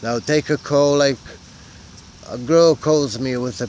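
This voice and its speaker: A man's voice shows ordinary pitch variation against noticeable background noise. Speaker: vlogger giving life advice. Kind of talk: casual vlog monologue. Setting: outdoors by the sea. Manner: repetitive, conversational.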